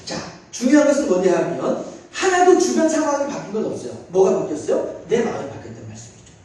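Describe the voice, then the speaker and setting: A man preaching a sermon as a pastor, lively, with many rhetorical questions and acted-out voices. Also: high voice, quick pace. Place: church sanctuary. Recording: very echoey church hall, mic at a distance.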